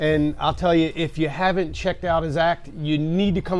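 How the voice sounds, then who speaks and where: The speaker goes at a fairly quick pace in a monotone, flat delivery, with noticeable background noise behind. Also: man. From US Midwest, Ohio. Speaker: cruise travel vlogger. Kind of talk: casual interview. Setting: aboard a cruise ship.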